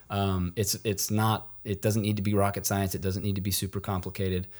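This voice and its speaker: A man with a plain, everyday voice speaks at a fairly quick pace in a fairly low pitch. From Colorado. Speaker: church financial counsel volunteer. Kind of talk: casual interview chat.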